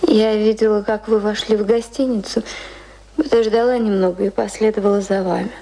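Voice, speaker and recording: A woman's voice: mid-range voice, steady tone, a little fast, vocal fry, mellow, low-quality recording. An actress in a radio play playing a hesitant, secretive woman seeking a reunion, speaking carefully and tentatively. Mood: anxious.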